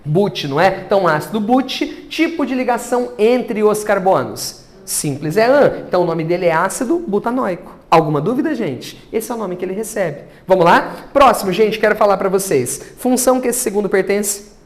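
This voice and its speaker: A man's voice: high voice, animated, moderate pace. A man with a Brazilian Portuguese accent teaching a chemistry class, asking his students questions and then answering them himself. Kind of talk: classroom lecture.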